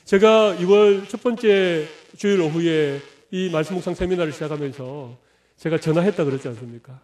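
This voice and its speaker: A man's voice: a little high, normal speed, darkish tone. A middle-aged man preaching a sermon as pastor, conversational and humorous, acting out little quotes of everyday talk.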